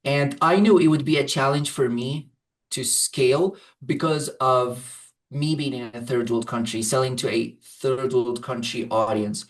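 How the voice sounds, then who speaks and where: A man's voice: mid-range voice, a little slow, distant mic. A man who grew up in Saudi Arabia and whose first language is Arabic, answering interview questions hesitantly, with many fillers and restarts. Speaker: program client, English teacher.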